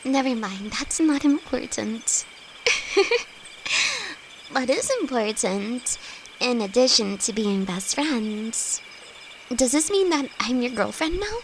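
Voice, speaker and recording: Woman acting a shy, slow-spoken young alchemist, crickets behind. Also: a little high, expressive. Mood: surprised, happy. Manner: hesitant, halting, soft-hearted. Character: timid young apprentice alchemist, shy affectionate female best friend. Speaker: voice actor in an audio roleplay. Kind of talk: intimate fantasy audio roleplay addressed to the listener. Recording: noisy, with night insects behind. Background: crickets and night forest ambience.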